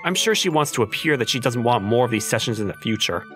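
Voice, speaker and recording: A man's voice: mid-range voice, fast, faint music behind, natural voice. A man voicing a flustered, skeptical young office worker in a manga dub, sounding incredulous and given to inner narration. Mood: hesitant, resigned. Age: young adult. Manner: exasperated, incredulous, animated.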